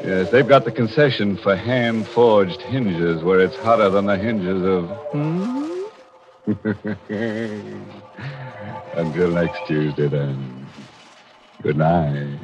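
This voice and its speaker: Very deep, gleefully macabre American horror host. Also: male voice, lively intonation, drawn-out words, music in the background, full character voice. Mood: macabre relish. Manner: sardonic, theatrical, chuckling. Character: gleefully macabre male horror-show host cracking grim puns. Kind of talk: 1940s radio horror hosting. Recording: dull vintage radio recording.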